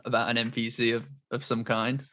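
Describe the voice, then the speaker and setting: Guy hosting an interview, mid pitched, chatty, lots of likes and you knows. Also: little pitch movement, brisk, a bit bright. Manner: friendly, loose phrasing with fillers. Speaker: interview host. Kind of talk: casual interview chat.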